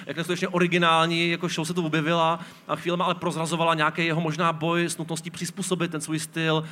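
A man's voice: a little high, completely flat delivery, pushed and bright. A man hosting a live podcast on an outdoor stage, joking and teasing his co-hosts. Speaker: podcast host. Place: outdoor stage before an audience.

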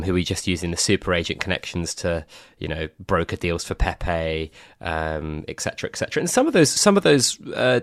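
A young man hosting a casual podcast chat, animated, laughing often and rambling in quick runs. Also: low-pitched, clear, resonant tone, dry recording, studio quality. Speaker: podcast host.

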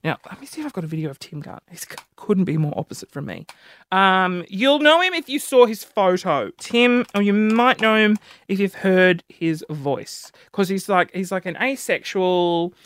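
A man with a high-pitched voice hosting a podcast, telling a story in an animated, self-deprecating way. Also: moderate pace. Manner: animated, self-deprecating, jumps between high and low tones. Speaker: podcast host. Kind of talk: casual storytelling monologue.

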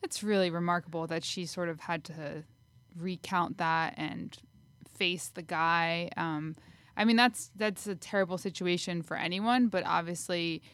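Clear-voiced woman co-hosting a podcast. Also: fairly low pitch, fairly even intonation, measured pace, a bit bright, no echo. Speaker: podcast co-host. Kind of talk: casual conversational sports podcast.

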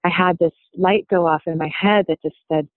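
Soft, flat-toned woman on a tinny line. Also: on the low side, dry recording. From United States. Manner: reflective, halting, peppered with "you know". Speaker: interviewee. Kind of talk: personal storytelling. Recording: dry, tinny phone-like sound.

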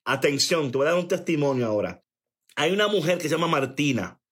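Emphatic preacher man, fairly high voice. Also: big pitch swings, a little fast, a bit bright, slightly rough. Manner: emphatic, repeats phrases, calls for attention; reads chat comments aloud. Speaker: preacher on a live stream. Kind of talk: sermon-style testimony.

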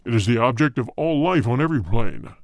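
A male audiobook reader voicing a cold, hard, deep spirit that speaks through a medium in slow, grave sentences. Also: very animated, a little mellow, dry recording, clean studio sound. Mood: solemn. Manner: slow, grave, measured pronouncements. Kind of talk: audiobook reading.

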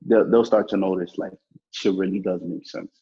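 A man's voice: deep voice, steady tone, moderate pace, crowd noise. A man in his twenties from New York, chatting casually in a loose, slangy, profane way. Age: 20s. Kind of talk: casual interview chat. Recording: muffled lo-fi sound.

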